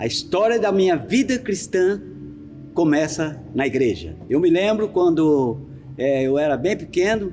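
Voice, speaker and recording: Music plays behind a man speaking at a fairly slow pace in a high voice. His intonation is lively and his loudness very even. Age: 70s. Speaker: longtime church member. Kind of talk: testimony.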